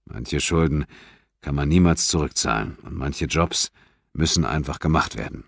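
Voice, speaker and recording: A man plays a calm army sergeant with a low, dry voice. He is friendly but firm and sticks to his orders in a matter-of-fact way. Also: normal speed, vocal fry, no echo, heavily acted.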